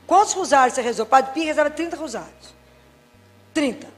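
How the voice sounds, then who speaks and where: A Catholic doctor giving a faith talk, telling anecdotes and acting out dialogues with wry humor. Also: female voice, high-pitched, animated, a little fast, big-room sound. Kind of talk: preaching talk with lively anecdotes.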